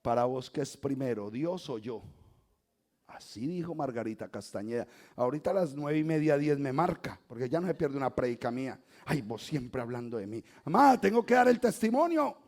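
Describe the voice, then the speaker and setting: A middle-aged Colombian pastor preaches a sermon in a mid-range, expressive voice with some vocal fry, his Colombian Spanish accent softened toward neutral. He keeps a moderate pace, moving between quiet asides and loud, emphatic exhortation.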